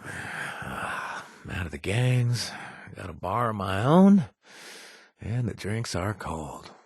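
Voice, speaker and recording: A man's voice: lowish voice, husky, dry recording, studio quality, heavily acted. An actor playing a wry adult male bartender and former gang member, joking and conspiratorial, in video game voice lines. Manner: joking and conspiratorial, laughs often.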